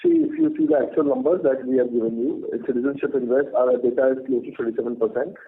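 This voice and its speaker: A company executive with an Indian accent fields earnings-call questions by phone, his medium-pitched voice expressive and quick. He is firm, leans on the same filler phrases again and again, and the line sounds tinny and noisy.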